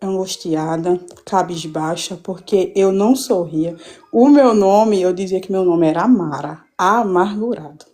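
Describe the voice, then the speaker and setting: A woman's voice: fairly low pitch, a little slow, dark tone. A woman giving a fervent, rambling church testimony from home on a live stream, with many restarts.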